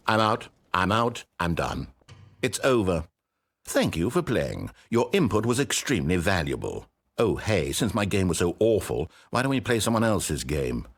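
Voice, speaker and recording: A man's voice: lowish voice, dry recording, full character voice. A synthetic male voice playing a smug, dramatic game narrator, pompous and sardonic. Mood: melodramatic. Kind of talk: theatrical narration.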